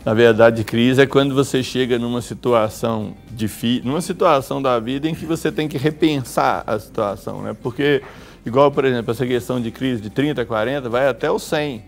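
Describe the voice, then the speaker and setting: Gravelly psychologist man. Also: medium pitch. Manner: thoughtful, measured explanations. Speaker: psychologist guest. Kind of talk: explaining on a talk show. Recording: faint music behind.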